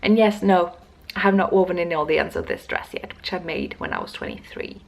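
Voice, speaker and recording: A woman's voice: on the low side, fairly quick, creaky, slight background noise. A woman hosting a knitting video podcast, chatting casually at home and wandering off on tangents as she talks. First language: not Swedish. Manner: rambling, digressive, self-interrupting. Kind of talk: casual knitting vlog chat.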